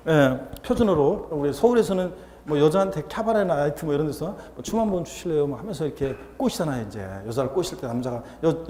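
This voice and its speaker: A man's voice: on the high side, warm tone, a little hiss or hum. A man from Seoul with a Seoul accent giving a real estate tax lecture in a classroom, chatty and jokey, with a slightly stuffy nose. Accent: Seoul Korean. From Seoul, Korea. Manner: chatty, jokey, mimics dialects. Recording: roomy, reverberant classroom with faint ambience.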